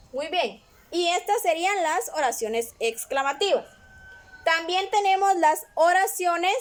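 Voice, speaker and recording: A woman teaches a grammar lesson in a patient, measured way. Her voice sits high, and she talks slowly, pausing often to check that her students follow along. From Guatemala. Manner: patient, repeats "¿verdad?" often. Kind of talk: classroom lesson explanation.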